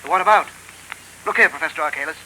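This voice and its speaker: An actor playing a brusque, impatient army general in a 1930s radio drama. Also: male voice, a little high, fast, sharp tone, rough recording. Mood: gruff. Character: blustering older male army general. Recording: old radio broadcast, faint hiss.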